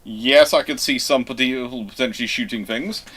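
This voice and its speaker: Guy hosting a live q&a, middle pitched voice, halting and emphatic, keeps rewording himself. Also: fairly bright tone, breathy edge. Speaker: host answering viewer questions. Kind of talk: live question-and-answer talk on naval history.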